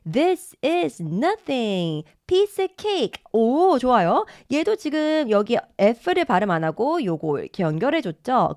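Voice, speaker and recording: Female teacher, animated delivery, dry close sound; repeats phrases slowly, encouraging. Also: fairly high pitch, no room sound. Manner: encouraging, praises listeners often. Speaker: English teacher. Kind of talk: online English pronunciation lesson.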